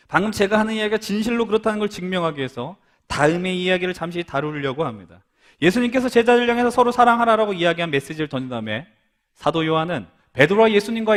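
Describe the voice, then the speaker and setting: A somewhat high-voiced young man preaches a sermon to a young congregation. He talks with his listeners, asks them questions and acts out the lines of the figures he quotes. He moves from loud emphatic lines to soft, low asides. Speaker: pastor. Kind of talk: sermon to a young adults' service.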